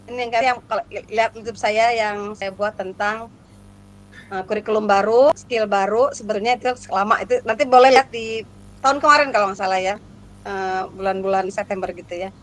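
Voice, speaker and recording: A woman's voice: mid-range voice, fairly quick, slight background noise. A woman gives an interactive workshop lecture to teachers, playful and constantly questioning her audience. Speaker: lecturer for teacher exam prep.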